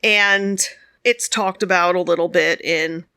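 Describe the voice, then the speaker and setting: This podcast co-host is a woman in casual conversation, chatty and full of stories and frequent laughter. She has a fairly low, smooth voice, pushed and bright, with a steady tone and a slightly slow pace. It's a studio-quality recording without room sound.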